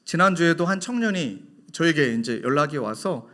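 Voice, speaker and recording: A middle-aged man preaching a sermon as pastor in a church, telling stories lively and dropping to soft, hushed tones when quoting. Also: on the high side, moderate pace. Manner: animated storytelling, drops to soft hushed tones for quoted dialogue. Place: church sanctuary.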